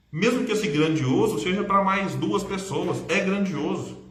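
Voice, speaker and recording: Speaking at a fairly slow pace with a Minas Gerais accent, a man uses an animated tone and a high pitch, with noticeable background noise and audible room echo. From Brazil, Minas Gerais. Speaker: spiritist speaker. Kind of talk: lecture. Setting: video call.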